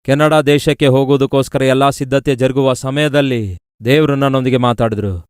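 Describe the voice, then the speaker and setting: A man's voice: mid-range voice, fairly even intonation, brisk, darkish tone, clear, resonant tone, no room sound, studio quality. A male pastor telling a story in a sermon, earnestly addressing his listeners as beloved.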